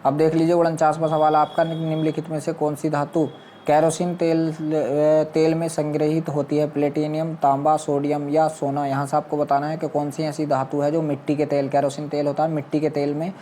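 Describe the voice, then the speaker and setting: Flat-toned male exam tutor. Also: fairly high pitch, normal speed, slight background noise. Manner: instructional, repeats questions and answers with habitual filler phrases. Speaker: exam coaching teacher. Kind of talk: walking through practice questions and answers.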